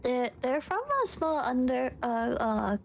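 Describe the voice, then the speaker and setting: A woman's voice: sits high, a little slow, vocal fry, a little hiss or hum. A woman playing a tabletop role-playing game, improvising casual dialogue in an informal, hesitant way.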